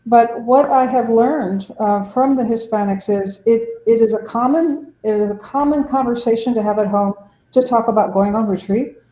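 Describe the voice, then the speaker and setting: Woman guest, raised in Mexico, earnest and explanatory, mellow timbre, echoey lo-fi remote line. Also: a little high, normal speed, hardly any pauses. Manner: earnest, explanatory, acts out quotes. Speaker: ministry director, guest. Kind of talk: podcast interview. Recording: dull, roomy remote audio.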